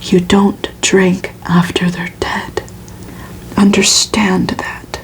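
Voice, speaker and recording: A woman's voice: medium pitch, level tone, takes it slowly, lightly acted, rough recording. Woman whispering as a curt, domineering male vampire. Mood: scornful, impatient. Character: domineering, impatient male vampire mentor, scornful.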